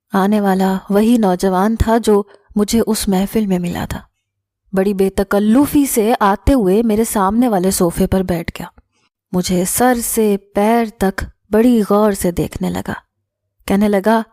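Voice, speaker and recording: A woman's voice: medium pitch, mellow, no room sound, clean studio sound. A woman narrating an emotional first-person story in an earnest reading style.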